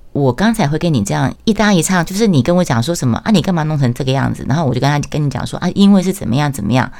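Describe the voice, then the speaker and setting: A middle-aged woman casually recounting her job, acting out quoted exchanges with sudden raised voices. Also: extremely low pitch. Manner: animated, acts out quoted lines in raised voice. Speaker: voice worker recounting her tofu stall job. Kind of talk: casual storytelling monologue.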